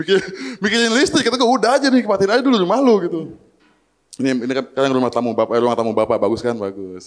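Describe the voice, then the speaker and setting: The voice swings very widely in pitch and moves at a very fast pace. The background is quiet. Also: man, fairly high pitch for a man. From Bekasi, Indonesia; Indonesia. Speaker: stand-up comedian. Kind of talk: stand-up comedy set, storytelling bit mocking staged charity TV shows. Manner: animated, acting out dialogue between host and poor man; casual Jakarta slang delivery. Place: studio. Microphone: handheld.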